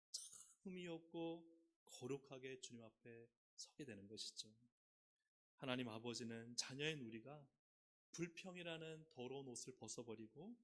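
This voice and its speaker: Korean pastor preaching with sweeping emphasis. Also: male voice. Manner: asks the congregation questions and leads responsive reading with sweeping pitch swings. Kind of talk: sermon. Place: church sanctuary.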